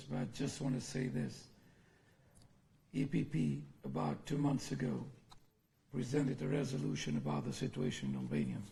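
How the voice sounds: In a put-on character voice, a man speaks with a very deep, low pitch and a hoarse quality. His pace is moderate, broken by long, frequent pauses.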